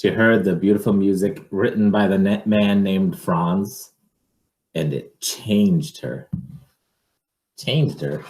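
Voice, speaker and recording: A man reading a picture book aloud to children in an expressive, measured way, with informal asides. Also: low voice, roomy sound, low-quality recording.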